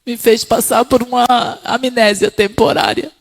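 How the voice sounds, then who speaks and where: A woman preaching a sermon, telling her own testimony quietly and then rising to fervent, shouted exhortation. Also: on the high side, fairly even intonation, normal speed, breathy edge.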